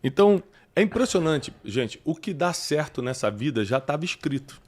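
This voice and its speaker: Brazilian host, emphatic preacher-like delivery, slightly higher male voice, podcast chat. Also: very animated, moderate pace, husky. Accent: Brazilian Portuguese. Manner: emphatic, preacherly, cites scripture. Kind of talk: podcast conversation.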